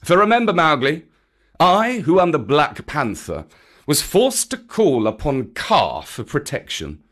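A man's voice: a little high, sing-song, unhurried, fairly bright tone, voice pushed up. A man voicing a proud, stern black panther in a storybook, scolding in an emphatic, aggrieved way. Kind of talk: dramatic storybook character acting.

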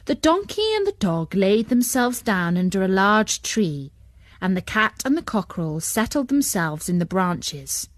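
Woman narrator, children's story, animated intonation, measured, dry close recording. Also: mid-range voice, dry recording. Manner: expressive, measured.

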